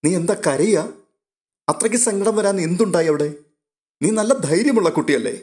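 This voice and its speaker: A man reading a story aloud and voicing a caring young woman who gently coaxes a younger girl. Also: sits high, lively intonation, moderate pace, pitched above the performer's own voice. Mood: coaxing.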